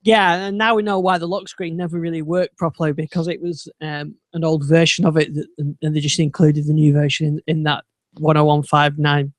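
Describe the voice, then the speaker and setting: A man's voice: a little high, flat delivery, fairly quick, no room sound. A man hosting a casual tech podcast, talking in a meandering way with many ums and restarts. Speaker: podcast host.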